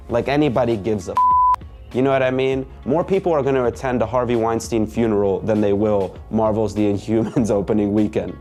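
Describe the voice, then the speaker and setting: A man in a casual comedic rant, sarcastic, with rising outbursts. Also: mid-range voice. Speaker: comics commentator.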